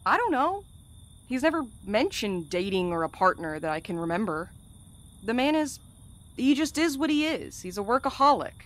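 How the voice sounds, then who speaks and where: A woman's voice: a little high, very animated, normal speed. A woman acting in a fiction podcast as a sardonic, blunt courier with a dry, slangy, wisecracking way of talking. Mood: flustered. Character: sardonic, blunt, irreverent courier and loyal friend.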